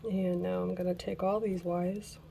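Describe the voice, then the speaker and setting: A woman hosting a casual craft tutorial who is losing her voice, chatting slowly while she works and laughing at her own mishaps. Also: fairly low pitch, level tone, vocal fry, mellow, a little hiss or hum. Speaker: craft channel host.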